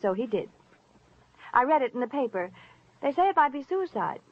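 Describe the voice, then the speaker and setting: A woman's voice: high-pitched, sing-song, moderate pace, exaggerated voice. An actress playing a cool, teasing sophisticated woman with a coy, languid manner, in 1940s radio acting. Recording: dull lo-fi old radio recording.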